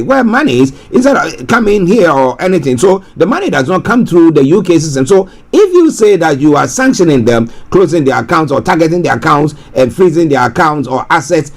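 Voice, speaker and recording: A man from Ghana, giving talk radio commentary in a rambling way, restarting and repeating himself. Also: a little high. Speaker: radio presenter.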